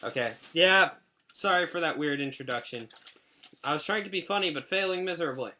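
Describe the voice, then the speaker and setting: Casual male toy reviewer on a webcam, chatty and self-mocking, bright voice, light background hiss. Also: fairly high pitch, fairly quick. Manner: rambling, chatty, self-deprecating. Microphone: webcam mic.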